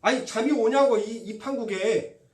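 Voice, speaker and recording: A man's voice: very high-pitched, normal speed, darkish tone, echoey room, far from the mic. A man voicing panicking disciples in a storm-tossed boat, speaking in an exasperated, pleading tone with a Jeolla Korean accent. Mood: panicked.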